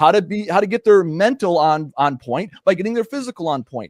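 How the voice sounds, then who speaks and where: Loud and high-pitched, a man speaks with lively intonation in a dry, close sound with no echo. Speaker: men's dating advice commentator. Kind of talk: casual podcast discussion. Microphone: good mic, per listener compliments.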